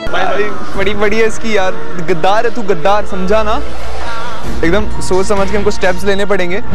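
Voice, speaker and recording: Clear music plays behind a man speaking at a moderate pace. The sound is dry with no echo. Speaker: vlogger. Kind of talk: casual vlog chat. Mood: nervous, playful. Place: open country. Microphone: lapel.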